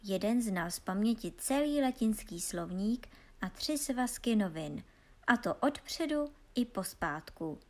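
A woman calmly reading a fairy tale aloud as storyteller. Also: medium pitch.

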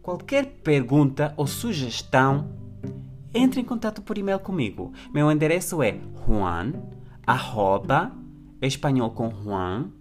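A man's voice: medium pitch, sing-song, measured pace, faint music behind. A native Spanish-speaking man with a Spanish accent in Portuguese, hosting a language-learning podcast and talking straight to listeners in an encouraging way. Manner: encouraging, direct address to the listener. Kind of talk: solo podcast monologue addressed to listeners.

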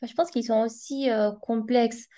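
A woman's voice: on the high side, steady tone, moderate pace, warm tone. A woman whose first language is Spanish, a language teacher talking as a guest in a casual discussion, thoughtful and hesitant, searching for words. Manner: hesitant, many fillers and restarts, thoughtful.

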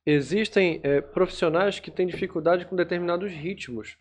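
High-voiced man asking thoughtful questions. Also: moderate pace. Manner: thoughtful, hesitant restarts. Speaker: interviewer. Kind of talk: casual interview.

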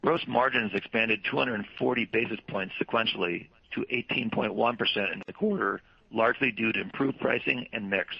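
A low-voiced man delivers formal, scripted corporate remarks as an executive. His voice is husky and creaky, and he reads in a measured, businesslike way. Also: no echo, muffled recording. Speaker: company executive presenting quarterly results. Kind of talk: scripted earnings call presentation.

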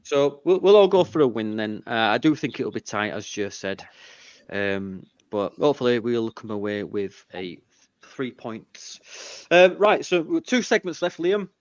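A man's voice: medium pitch, lively intonation, unhurried, no echo, dull audio. A man hosting a casual football podcast, joking as he presents each segment. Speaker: podcast host.

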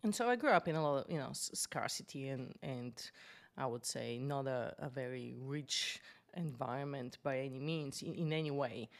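A woman in her forties with a Bulgarian accent, a guest telling her life story in a lively, hesitant way, full of fillers. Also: rumbling low, normal speed, creaky. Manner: animated, hesitant with many fillers. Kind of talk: conversational storytelling interview.

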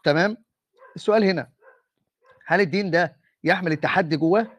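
An Egyptian man arguing for his faith in an online voice-room debate, talking softly and patiently, often stopping to ask for patience. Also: high-pitched, no echo. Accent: Egyptian Arabic. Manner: measured, calls for patience, speaks softly. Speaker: Muslim debater.

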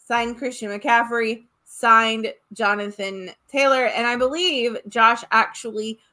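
A woman's voice: a little high, steady tone, takes it slowly, bright, forceful tone. A woman hosting a podcast, running the segment in an upbeat, agreeable way. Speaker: podcast host. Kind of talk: casual podcast chat.

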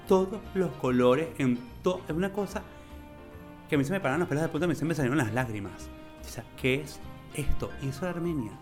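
An eager Venezuelan man with a mid-range voice tells a story in a conversational way. He's an interview guest who works as a florist, and he speaks with enthusiasm and animation, drawing out words for emphasis.

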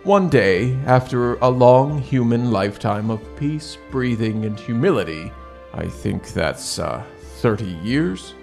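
A man improvising an in-character story in a tabletop roleplaying game, with formal, measured, halting wording. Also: medium pitch, creaky, darkish tone.

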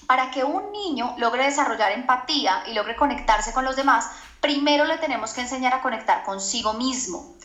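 A woman's voice: sits high, expressive, fairly quick, fairly bright tone. A woman psychologist explaining to a podcast host in an earnest teaching tone, often asking for agreement. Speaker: psychologist guest on a parenting podcast. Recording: roomy echoing sound.

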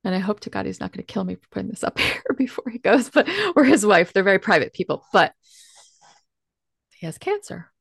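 A woman's voice: medium pitch, expressive, fairly quick, gravelly, husky, dry recording, studio quality. A woman speaking candidly and emotionally in a conversation, earnest and emphatic.

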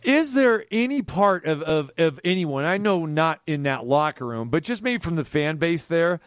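A man's voice: a little high, expressive, normal speed, smooth, no echo, studio quality. A man hosting a sports radio show, asking rambling questions full of fillers and restarts in a casual chat.

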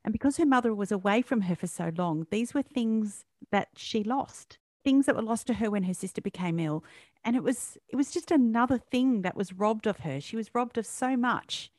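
A woman interviewing an author, asking measured, appreciative questions. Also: on the high side, lively intonation, a little mellow, no room sound. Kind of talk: book interview.

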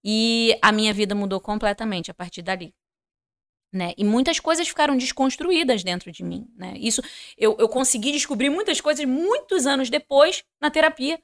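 A woman's voice: fairly high pitch, moderate pace, a bit bright. A woman, a podcast guest telling her faith testimony, who acts out the dialogue she quotes and speaks straight to the listeners. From Rio de Janeiro, Brazil. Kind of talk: personal faith testimony in conversation.

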